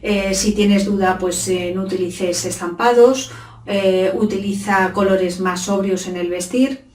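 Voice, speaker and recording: A middle-aged woman giving an unscripted video lesson on communication, pausing often with filler sounds. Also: medium pitch, fairly even intonation, darkish tone, recorded from a distance. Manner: hesitant, many filler sounds. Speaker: communication trainer. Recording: roomy echo, set back from the mic.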